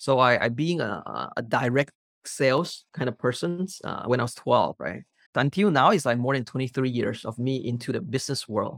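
Vocal fry from a man at medium pitch, moderate pace and ordinary pitch variation, recorded dry and close with no echo. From China. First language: Chinese. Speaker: e-commerce company CEO. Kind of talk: interview.

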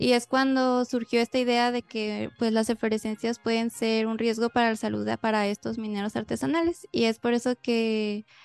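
Against a quiet background, a woman with an unremarkable speaking voice talks at a moderate pace in a fairly high pitch with fairly even intonation, the sound dry and close with no echo. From Sonora, Mexico (Esqueda). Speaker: mining engineer and graduate student. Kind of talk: interview.

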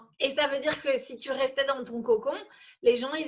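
A woman speaks in a high-pitched voice. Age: 40s. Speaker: podcast host. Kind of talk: casual chat. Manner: halting.

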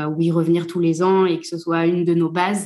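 A woman speaks with a fairly low pitch at a moderate pace. The recording is very clean, with a silent background. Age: 30s. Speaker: social media manager and digital nomad. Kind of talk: casual interview.

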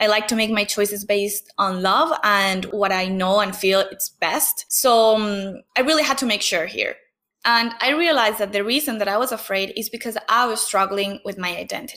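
A woman with a non-native accent speaks at a moderate pace, with hardly any pauses, in a fairly high pitch and a bright, sharp tone. Her pitch varies in an ordinary way, and the recording is very clean with a silent background. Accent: noticeable foreign. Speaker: podcast host. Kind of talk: solo podcast monologue. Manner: warm, enthusiastic.

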